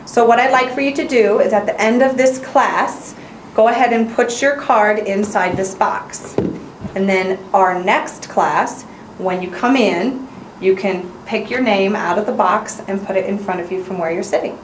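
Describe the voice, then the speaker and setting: A woman's voice: medium pitch, normal speed. Woman teacher in a roomy, echoing space. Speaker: English teacher. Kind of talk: instructional narration and classroom teaching. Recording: roomy echo, faint background noise.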